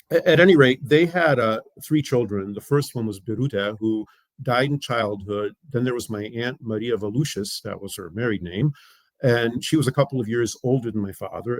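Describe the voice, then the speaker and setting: A man in his seventies, a native Lithuanian speaker from the United States, recounting family history in an interview, measured and pausing often. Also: on the low side, no echo, rough recording. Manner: measured, pausing with "uh" between thoughts. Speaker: interview guest. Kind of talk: storytelling interview answers.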